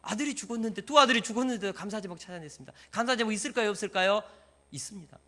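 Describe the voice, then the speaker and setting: A male pastor preaching a sermon, lively, asking the congregation questions and acting out everyday dialogues as examples. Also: high voice, rapid-fire.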